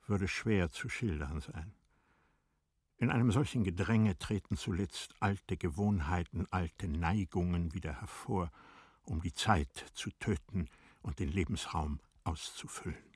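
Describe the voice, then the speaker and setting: A man narrating a literary radio drama in a measured, formal storytelling manner. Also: low-pitched, darkish tone, slightly rough, dry recording, clean studio sound.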